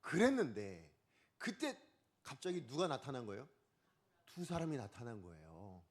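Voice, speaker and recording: A man's voice: medium pitch, normal speed. A man preaching a Sunday morning sermon as pastor, asking the congregation questions and acting out quotes. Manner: lively, asks the congregation questions and acts out quotes. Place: church sanctuary.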